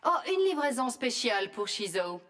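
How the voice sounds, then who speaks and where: A woman playing a calm, precise, matter-of-fact computer assistant in a French cartoon dub. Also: a little high, moderate pace, very noisy.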